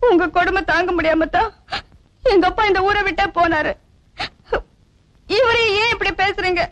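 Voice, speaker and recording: An actress playing a gentle, long-suffering young village woman who speaks in a soft, pleading, tearful way, in a dramatic film scene. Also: extremely high pitch, fairly even intonation, normal speed. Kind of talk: 1980s Tamil film acting. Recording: dull film soundtrack with music.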